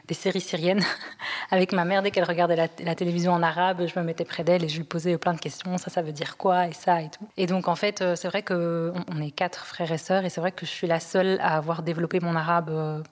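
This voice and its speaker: A woman's voice: fairly low pitch, big-room sound. A woman in her thirties from Belgium, giving an earnest, reflective personal testimony as a podcast guest, with many hesitations. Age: 30s.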